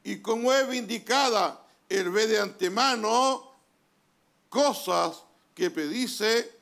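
A man with a Chilean accent, a pastor preaching a sermon in a church hall, pausing often and calling for amens. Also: high-pitched, vocal fry, a bit bright. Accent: Chilean Spanish. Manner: deliberate preaching with pauses, calls of amen. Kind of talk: sermon reading from a translated message.

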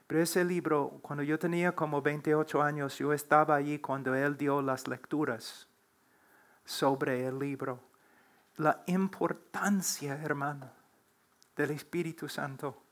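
A middle-aged man answering questions on a church panel in a slow, earnest, preacherly way that builds to emphatic exhortation. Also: on the high side, steady tone. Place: church platform, seated before a large wooden cross.

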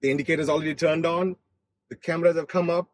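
A man from Australia giving casual, excited commentary as host of a test-drive vlog inside a car, often repeating his phrases. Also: a little high, fast talker. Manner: enthusiastic, repeats phrases, hesitant with frequent repetition.

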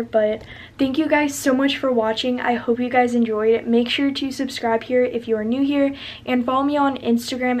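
A woman's voice: on the high side, a little mellow. A young adult woman talking casually to camera in a vlog, chatty and upbeat with lots of fillers. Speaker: vlogger.

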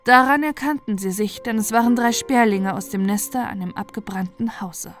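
A woman's voice: on the high side, moderate pace. A woman storyteller reading a scripted fairy-tale narration. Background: background music.

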